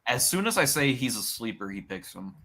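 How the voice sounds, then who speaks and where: Man, podcast co-host, bright forward tone, blunt, swears a lot. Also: mid-range voice, very animated, a little fast. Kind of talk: casual chat.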